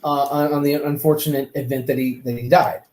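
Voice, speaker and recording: On a fan talk show, this male panelist offers casual, opinionated film chat, wandering off and saying things more than once. His voice is on the high side, level and a little mellow, and he talks a little fast. There's an echoey room and slight background noise.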